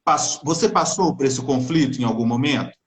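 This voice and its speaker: A man's voice: mid-range voice, normal speed. A man interviewing an actress, asking chatty questions full of fillers. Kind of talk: casual interview.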